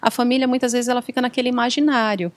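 A woman's voice: a little high, steady tone, racing, no echo. A woman working as a hospital psychologist, answering interview questions in an explanatory way and often quoting patients and their families.

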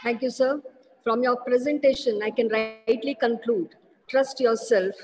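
A woman's voice: fairly high pitch, steady tone, measured pace, faint music behind. A woman presenting prepared closing remarks for an online session. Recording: long reverberant room sound.

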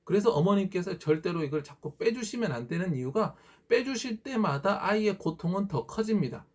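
Guy w a high voice, teacher type, polite advice talk for parents, acts out little quotes. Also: animated, fairly quick.

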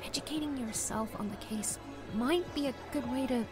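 A woman in her twenties playing a lively, teasing young influencer friend in an audio drama, with music under her voice. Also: high-pitched, moderate pace, lightly acted. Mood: chatty.

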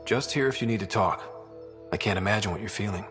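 A man's voice: fairly low pitch, fast, over music, natural voice. A man playing a confident young space explorer and leader in a video game, casual and assured. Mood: supportive.

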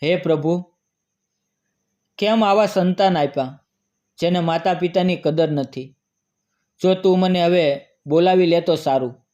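A grieving, proud old widow, as a male storyteller reads her lines. She speaks quietly and sorrowfully, a little high for a man's voice, in a plain storybook reading. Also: a little slow, long pauses, highs cut off, natural voice. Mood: despairing prayer.

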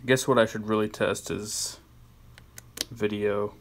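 A man's voice: fairly low pitch, level tone, takes it slowly, a little hiss or hum. A man talking casually and offhandedly in a home vlog, recorded on a handheld cell phone, with a little grumbling now and then. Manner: chatty and offhand, with mild grumbling. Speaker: camera vlogger.

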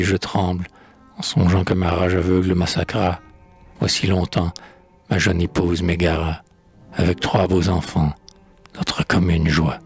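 A man voicing a guilt-stricken mythic hero who laments slowly in a deep, low voice, his words weighed down with grief. Faint music plays softly behind him. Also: husky, full character voice. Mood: anguished. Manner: solemn, lamenting recitation.

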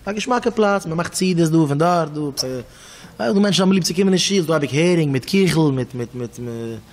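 A man with a Hasidic Yiddish accent giving a sermon as a rabbi, telling stories with sudden swings in loudness and repeated words. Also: on the high side, lively intonation, moderate pace, long reverb tail.

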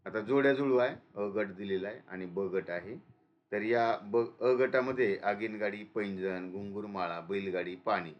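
A male teacher explaining a school lesson, often pausing to check in with listeners. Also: fairly low pitch, highs cut off. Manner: explains and repeats with frequent "है ना" checks.

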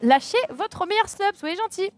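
A woman's voice: very high voice, animated, moderate pace. A woman game streamer chatting casually with her viewers live and thinking aloud with fillers as she picks songs. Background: game music.

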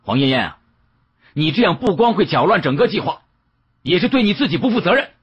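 A man's voice: high-pitched, sing-song, fairly quick, slightly rough, no room sound, dull audio, voice pushed up, exaggerated voice. A male narrator voicing an earnest antique appraiser who scolds in a blunt, reproachful, questioning way. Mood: angry.

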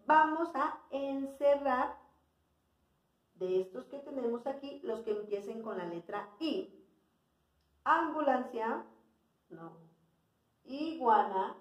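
A woman teaching a preschool class, speaking slowly and clearly and sounding out words for young children. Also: mid-range voice, darkish tone. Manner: patient, sounding out words and checking in with "¿sí?". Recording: roomy sound from away from the mic.

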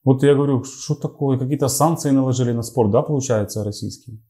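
A man's voice: medium pitch, quick pace, mellow. A man from Ukraine hosting chat roulette, needling a stranger with mocking questions over an earphone mic. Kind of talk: provocative video chat. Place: indoor room. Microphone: earphone mic on video call.

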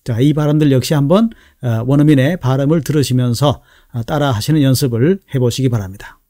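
A middle-aged man teaching English pronunciation in a lesson video, speaking slowly and carefully and repeating each example word. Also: medium pitch, dark tone, no room sound, studio quality.

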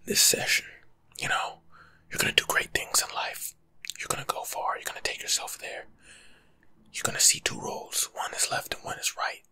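A young man doing soft-spoken ASMR as a laid-back, rambling life coach, husky and often slipping into a whisper. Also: on the low side. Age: young adult. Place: small room at home.

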